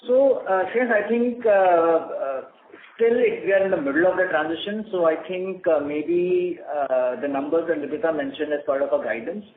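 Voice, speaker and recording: Man, company executive, halting answers, slightly high voice, muffled noisy conference call. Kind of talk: answering questions on an earnings call. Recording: echoey, noisy, band-limited conference line.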